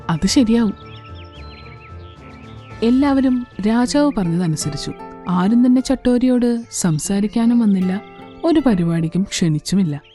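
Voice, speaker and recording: A woman's voice: mid-range voice, dark tone. A woman narrating a children's story as a scripted storyteller.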